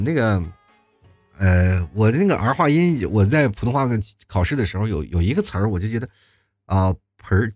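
A male talk show host reads out listener messages and riffs on them, his pitch rising and falling as he goes. He talks fast and chattily, often tacking on tag questions and small chuckles. The studio-quality audio has no room sound.

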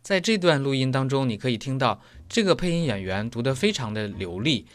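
A man teaching German pronunciation in a methodical lesson, laying out each point step by step with homely analogies. His voice sits at a middle pitch but moves with a lively, wide-ranging melody. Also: fairly quick. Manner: explains step by step with everyday analogies. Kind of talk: explanatory lesson.

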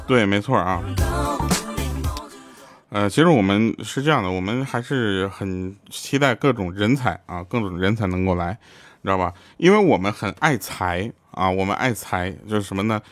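A man hosting a casual comic show, telling funny workplace stories and jumping into high voices when he quotes people. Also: animated, moderate pace, fairly bright tone, soft background music.

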